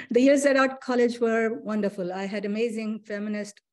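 Measured Pakistani-born woman giving a lecture. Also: on the high side. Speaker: artist giving a talk. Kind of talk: virtual artist lecture. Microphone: video call webcam.

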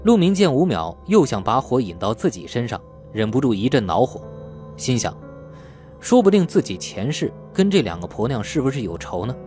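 A man's voice: medium pitch, very animated, moderate pace, a little mellow, faint music behind. A man reading scripted novel narration as an audiobook narrator.

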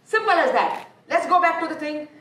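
A high-voiced woman with an Indian accent gives an animated motivational talk to an audience in a large auditorium. She keeps asking the crowd questions and repeats her words as she goes. Her voice rings through a roomy hall and sounds a little far from the mic. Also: brisk, a little hiss or hum. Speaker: motivational speaker. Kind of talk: live conference talk. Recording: echoey hall, heard from off.

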